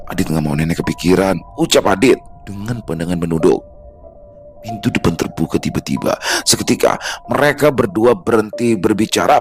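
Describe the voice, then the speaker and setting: A man narrating a horror story in a slow, hushed storytelling manner. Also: lowish voice. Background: faint background music.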